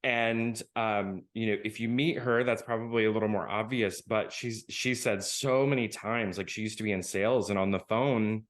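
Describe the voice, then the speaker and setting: Low-voiced man from Iowa hosting a podcast, musing aloud and a bit halting. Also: steady tone. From rural Iowa. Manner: thoughtful, hesitant, many fillers. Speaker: podcast host. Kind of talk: casual interview conversation.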